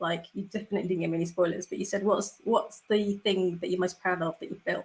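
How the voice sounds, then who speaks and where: Somewhat breathy, a woman speaks with a British accent and ordinary pitch variation. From Britain. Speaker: developer community manager. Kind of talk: casual interview chat.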